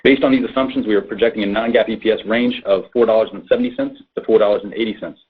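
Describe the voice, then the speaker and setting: A man's voice: lowish voice, fairly even intonation, rapid-fire, breathy edge. A man reading a scripted financial presentation in a formal manner over a muffled phone conference line, as a company executive. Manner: formal, reading prepared figures. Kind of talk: scripted earnings call presentation.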